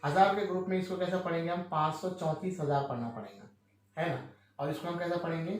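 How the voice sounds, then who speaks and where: A man's voice: on the high side, fast talker. Man teaching in a very echoey room. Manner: asks questions and answers them himself, with frequent tag checks. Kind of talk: classroom maths lesson.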